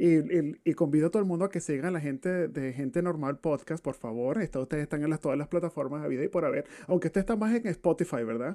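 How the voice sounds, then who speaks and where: At a very fast pace with hardly any pauses, a man speaks with fairly high pitch in a dry, close sound with no echo. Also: ordinary pitch variation, very clean recording, silent background. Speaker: podcast co-host. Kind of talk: casual interview chat.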